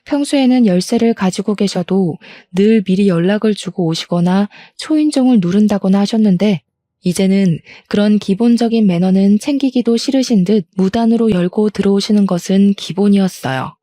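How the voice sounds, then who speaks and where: A woman's voice: medium pitch, moderate pace, dark tone, no echo. A young adult woman telling a first-person story in a plaintive, aggrieved way. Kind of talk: scripted first-person narration.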